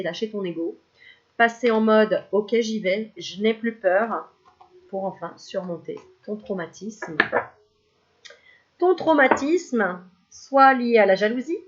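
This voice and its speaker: Une femme qui tire des cartes de spiritualité, bavarde et joueuse, qui rit souvent et lance parfois des chants pour rire. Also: female voice, mid-range voice, lo-fi sound. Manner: chatty, playful, laughs often, bursts into mock singing. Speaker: spiritual card reader. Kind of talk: casual card-reading video.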